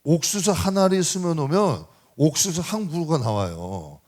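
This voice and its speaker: A middle-aged man preaching a sermon as pastor, talking to the congregation in a lively, conversational way and asking them frequent rhetorical questions. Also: a little high, moderate pace. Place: church sanctuary.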